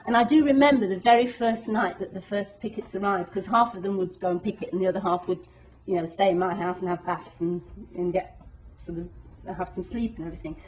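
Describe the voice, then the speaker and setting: A woman's voice: mid-range voice, steady tone, fast talker. A woman activist giving a public talk to an audience, speaking earnestly and emphatically, with many restarts. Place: meeting hall. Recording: dull lo-fi talk recording.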